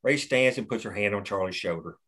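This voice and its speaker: A man's voice: lowish voice, a little fast, fairly bright tone, husky. A man reading the stage directions of a screenplay steadily at a table read.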